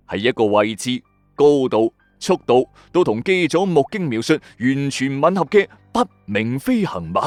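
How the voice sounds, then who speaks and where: Animated Hong Kong Cantonese man telling mysteries. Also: mid-range voice, no room sound. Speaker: storyteller host of a mystery radio channel. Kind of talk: dramatic scripted mystery narration.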